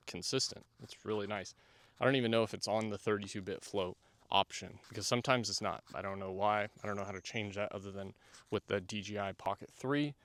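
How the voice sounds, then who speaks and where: A man's voice: fairly low pitch, a bit bright, no echo. A man reviewing camera gear as a vlogger, rambling and thinking aloud while testing small wireless mics outdoors. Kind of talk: casual outdoor mic test talk. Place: outdoors in the wilderness, wind at times. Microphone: small wireless clip-on mic, moved around.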